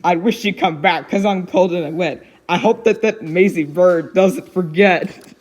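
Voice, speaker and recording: A woman reading aloud as a huge, gentle, faithful male elephant in a storybook, earnest and deliberate. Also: fairly low pitch. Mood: glum.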